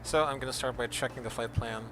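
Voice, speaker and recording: A man's voice: mid-range voice, fast talker, background noise. A man chatting casually on a flight simulator stream and making pilot radio calls. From Philippines. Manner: switches between Filipino and English, relaxed chatty, reads radio calls.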